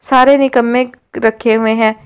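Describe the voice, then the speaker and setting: A woman's voice: on the high side, fairly even intonation, clean tone, natural voice. A woman reading the lines of a bossy, scolding old grandmother in an audio novel. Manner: scolding, loud.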